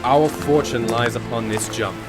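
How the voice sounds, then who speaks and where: An actor playing a commanding military leader giving battle orders in a Shakespearean audio drama, forceful in manner. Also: male voice, mid-range voice, unhurried, lightly acted. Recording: very loud background music.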